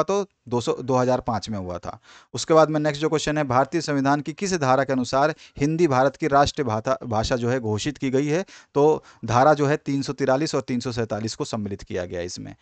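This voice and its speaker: A man of ordinary pitch runs through exam questions in a patient revision lesson. He works through each answer step by step, repeats the points that matter and pauses on fillers as he goes. The sound is dry and close, with no room around it. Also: no room sound. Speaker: exam prep teacher.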